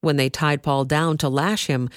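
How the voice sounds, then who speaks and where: A woman narrating a scripture reading in a measured, expressive way. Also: deep voice, no echo, studio quality. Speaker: reader.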